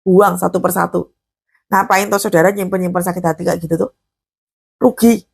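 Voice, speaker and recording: Javanese-accented lady preacher doing a morning devotion, gravelly raspy voice, chatty, asks and answers her own questions. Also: on the low side, steady tone, fairly quick. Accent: Javanese-inflected Indonesian. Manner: conversational, asks questions and answers them herself. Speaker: preacher and counselor.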